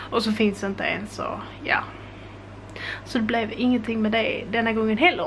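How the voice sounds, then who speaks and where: Against light background noise, a woman talks at a moderate pace in a monotone, flat intonation. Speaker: vlogger. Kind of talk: casual vlog chat. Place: home room. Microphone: phone near.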